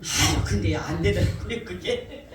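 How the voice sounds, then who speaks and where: Female pastor giving a testimony sermon, slightly low voice, heard from afar in a reverberant church. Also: a little slow. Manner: animated storytelling, acting out quoted voices. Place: church sanctuary. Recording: echoey church hall mic from a distance.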